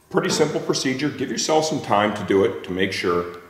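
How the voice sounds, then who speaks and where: A man talks at a moderate pace, and room echo can be heard. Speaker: presenter. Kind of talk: tutorial. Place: workshop.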